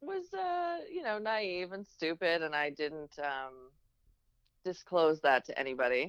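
Speaking very slowly with a Western Canadian accent, a woman shows ordinary pitch variation. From Canada, British Columbia (Nanaimo). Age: 30s. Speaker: professional wrestler. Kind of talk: casual interview chat.

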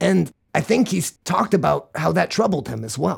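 Very wide pitch swings and vocal fry from a man speaking at a moderate pace. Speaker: podcast host. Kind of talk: interview with news commentary. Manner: joking, teasing.

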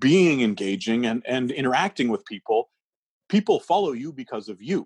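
Here a man with a western Canadian accent speaks at a moderate pace in an animated tone, his medium pitch making very wide swings. The sound is dry and close, with no echo. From Edmonton, Alberta, Canada. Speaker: stand-up comedian. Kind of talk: casual chat.

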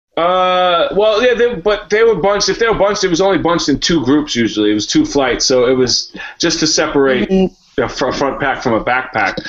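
Over noticeable background noise, a man with an American accent and a high pitch talks with hardly any pauses, very wide pitch swings and very even loudness. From New York. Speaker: podcast host, former reality show contestant. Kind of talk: casual chat.

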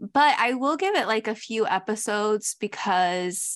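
Against a quiet background, a woman speaks loudly at a fairly high pitch with very wide pitch swings, the sound dry and close with no echo. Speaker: podcast host. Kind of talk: casual chat. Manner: loud, vocal, laughs a lot.

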